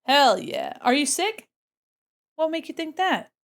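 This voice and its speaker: A woman with a high voice, big pitch swings and a slightly slow pace streams her art while congested from a cold. She chats casually with viewers, answers chat questions and murmurs to herself as she draws.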